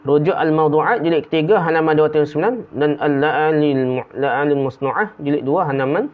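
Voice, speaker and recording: A man's voice: a little high, normal speed, narrow, tinny audio. A man giving a religious lecture, reading a story aloud with blunt asides.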